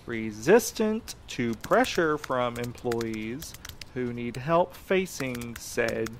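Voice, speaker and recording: A man's voice: mid-range voice, fairly bright tone, slight background noise, heavily acted. A man playing a sardonic courier in an audio drama, talking in a dry, sarcastic, casual way. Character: sardonic young male courier, snarky schemer among friends. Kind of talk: naturalistic audio drama acting.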